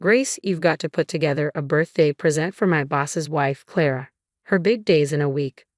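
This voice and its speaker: Curt, biting husband in a story reading, read by a woman, low and dry. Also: moderate pace, no room sound. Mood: offhand. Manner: biting, sarcastic. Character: curt dismissive husband, grown man.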